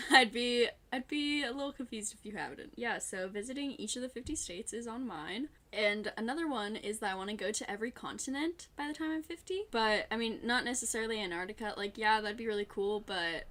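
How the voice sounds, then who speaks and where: A young woman co-hosting a casual podcast chat, chatty and quick to laugh, with lots of "like". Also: a little high, expressive, a bit bright. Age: young adult. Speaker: podcast co-host.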